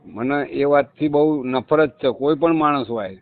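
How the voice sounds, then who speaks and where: A man phones in, speaking unhurriedly in a mid-range voice through thin, tinny call audio. He's insistent, circling back to stress the same points again and again.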